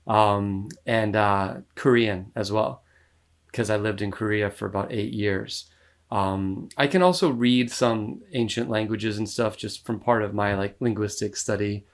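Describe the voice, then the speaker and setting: A man in his thirties with an American accent, chatting casually as a podcast guest, relaxed and rambling, with many fillers and frequent laughs. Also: on the low side. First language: English. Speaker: musician guest. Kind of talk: casual interview talk.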